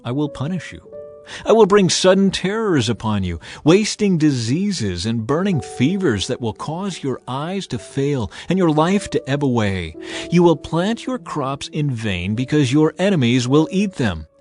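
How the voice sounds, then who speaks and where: A man playing a stern, authoritative God in a dramatized scripture reading, speaking in a solemn, commanding, deliberate way. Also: a little high, darkish tone. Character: God of the Bible, stern, authoritative male lawgiver.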